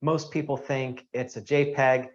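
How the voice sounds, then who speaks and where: A man interviewing a guest, calm and brief as he steers the talk. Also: medium pitch, measured pace, muffled recording. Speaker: podcast interviewer. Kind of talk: casual interview questions.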